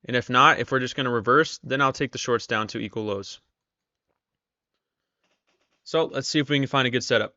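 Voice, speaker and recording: A man's voice: mid-range voice, fairly quick, long pauses, bright, forceful tone, no room sound, dull audio. A man hosting a casual live stream, chatting with viewers while losing his voice. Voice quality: strained, tired voice. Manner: chatty, reads viewer comments aloud. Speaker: live-stream trader host.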